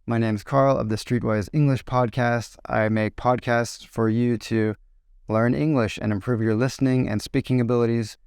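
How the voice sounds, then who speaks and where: A man, an English teacher and podcast host, giving a casual spoken lesson, explaining slowly with examples. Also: mid-range voice, steady tone, gravelly, a little mellow, smooth, no echo, studio quality. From California.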